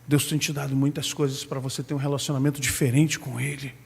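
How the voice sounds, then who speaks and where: A man with a Brazilian Portuguese accent preaching a sermon as pastor, breaking into loud shouted bursts. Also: medium pitch, level tone, fast talker, creaky, long reverb tail.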